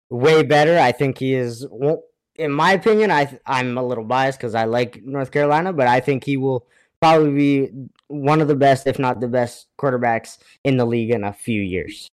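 Clear-voiced man with medium pitch. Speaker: podcast co-host. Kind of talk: casual sports analysis. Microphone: remote connection.

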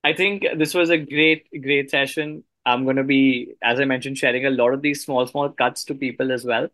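A man's voice: medium pitch, fairly even intonation, moderate pace, a bit bright, no room sound. A man hosting a conversational podcast interview in an enthusiastic, appreciative manner. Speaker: podcast host.

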